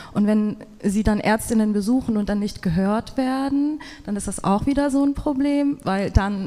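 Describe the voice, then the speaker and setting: At a fairly slow pace, a woman speaks with a dark, mellow tone. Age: 20s. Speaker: medical student and activist. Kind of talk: panel discussion.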